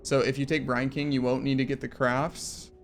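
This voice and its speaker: A man's voice: mid-range voice, little pitch movement, normal speed, soft background music. A tired young man who is losing his voice, casually walking through a game character build at his computer with lots of ums and uhs. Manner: rambling, filler-heavy explanation. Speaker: game build guide creator. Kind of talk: casual game guide walkthrough. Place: home room at a computer.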